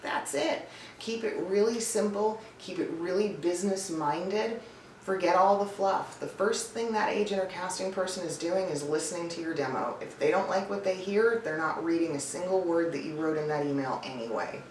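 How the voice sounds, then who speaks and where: Speaking at a normal pace with a darkish, slightly low voice, this woman, a voice-over coach and casting professional, delivers a tips list straight to camera in a blunt, emphatic, conversational style. The room is indoors with a cat close by, and the distant mic picks up plenty of echo plus a faint layer of noise.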